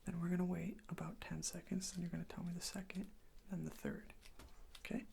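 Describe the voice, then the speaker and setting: Breathy whisper, creaky fry, ASMR medical role play, gentle step-by-step instructions, faint background noise. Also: medium pitch, flat delivery, fairly quick. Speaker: ASMR performer playing a medical examiner.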